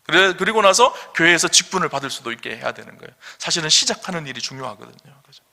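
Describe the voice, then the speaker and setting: Male pastor, sermon delivery, slightly high voice, emphatic questions to the pews, echoing sanctuary. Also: very animated, fast talker, gravelly, sharp tone. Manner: emphatic, asks the congregation questions. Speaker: senior pastor. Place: church sanctuary. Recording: long church hall reverb.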